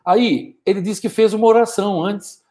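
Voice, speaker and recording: A man in his fifties lectures his viewers with fierce, scolding energy in a somewhat high voice. He speaks into a wired earphone mic in a small home studio. He talks like a motivational speaker rousing a live audience. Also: fairly even intonation, moderate pace. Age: 50s. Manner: forceful, scolding, gestures a lot. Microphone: wired earphone mic, webcam framing.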